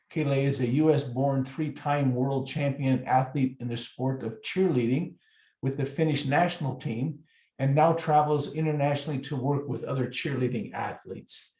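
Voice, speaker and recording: This is a man moderating an online panel, who keeps time and introduces speakers politely and encouragingly. His voice is mid-pitched. It echoes noticeably in the room he calls in from. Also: dark tone. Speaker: webinar moderator. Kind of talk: moderating a webinar.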